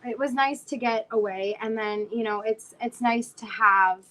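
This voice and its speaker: This livestream host, a twenties-aged woman from South Florida, has all but lost her voice, yet she keeps up a chatty, meandering flow full of filler words. She speaks at a normal speed in a fairly high, slightly bright voice, captured on poor audio.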